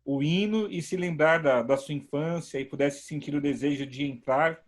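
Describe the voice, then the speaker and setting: Pastor guy talking from home, kinda high voice, really emphatic. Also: moderate pace. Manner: emphatic, repeats phrases, praises God. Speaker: pastor hosting an online service. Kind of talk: warm preaching talk.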